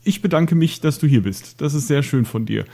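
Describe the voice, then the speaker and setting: A man's voice: on the high side, animated, fairly quick, creaky, mellow. A man hosting a podcast, talking in long winding sentences with many hesitations. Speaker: podcast host. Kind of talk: casual podcast conversation.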